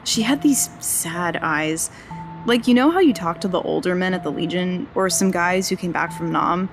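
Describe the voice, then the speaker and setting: A woman's voice: lowish voice, moderate pace, over music, lightly acted. An actor playing an earnest, wry young woman fresh out of journalism school who is investigating a mystery, in a naturalistic audio drama. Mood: reflective. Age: young adult.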